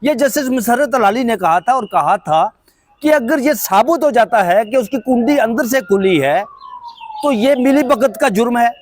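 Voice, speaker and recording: A man with a Pakistani Urdu accent giving measured, explanatory news commentary to his viewers, pointedly critical. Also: very high voice, expressive. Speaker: political commentator.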